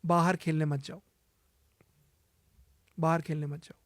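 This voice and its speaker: Urgent, emphatic higher-voiced man. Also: level tone, measured pace, no echo, studio quality. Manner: urgent, emphatic, repeats warnings; mixes English phrases into Hindi. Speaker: guest, cancer healer. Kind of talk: advice-giving interview talk.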